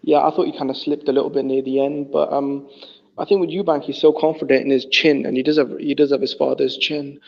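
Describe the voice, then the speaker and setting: A man's voice: mid-range voice, fairly even intonation, fairly quick, creaky, dull audio. A man analysing boxing in casual chat, talking fluently and enthusiastically with many "you know" fillers. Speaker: boxing talk guest.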